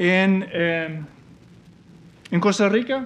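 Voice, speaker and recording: Very slowly and with a non-native accent, a man speaks at a high pitch with ordinary pitch variation. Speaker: tech conference speaker. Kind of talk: technical talk. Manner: halting, many fillers and false starts.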